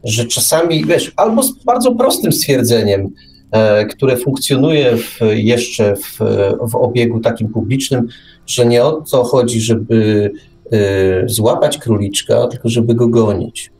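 A male radio host in a casual, reflective literary discussion, often halting and repeating himself. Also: mid-range voice, a little mellow, slight background noise.

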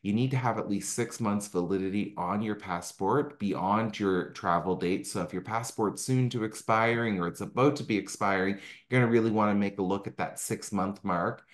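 A man's voice: lowish voice, moderate pace, few pauses. Upbeat Canadian man presenting travel slides. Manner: upbeat, conversational, frequent ums and asides. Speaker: travel advisor presenting a destination talk. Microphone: video call microphone.

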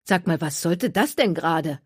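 A woman's voice: fairly low pitch, lively intonation, moderate pace, breathy edge, no room sound, clean studio sound. A woman voicing a practical, firm woman who speaks in a matter-of-fact way.

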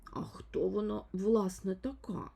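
A woman's voice: mid-range voice, little pitch movement, measured pace, vocal fry, warm tone, slightly rough. Woman as a gloomy, cautious little bearded man. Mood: wary.

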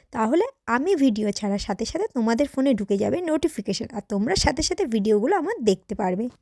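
A young woman with a high voice tells viewers about her day in a chatty vlog. The recording is dry and close, with no room sound around her. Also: a little mellow, dry recording. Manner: chatty, addresses viewers directly. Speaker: vlogger. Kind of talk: casual vlog narration.

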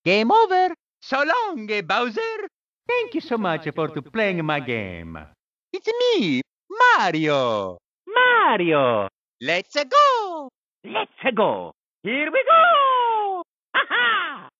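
A woman's voice: sits high, wildly swooping pitch, very slow, sharp tone, dry recording, dull audio, exaggerated voice. A woman voicing a cheerful adult male Italian plumber hero in a video game, with an exaggerated Italian accent and a playful, exclamatory manner. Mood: excited.

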